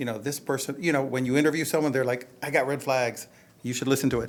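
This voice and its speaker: A man with an American accent speaks in a fairly high voice with flat, monotone intonation. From Texas, Laredo. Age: 60s. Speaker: political candidate. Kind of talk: candidate interview.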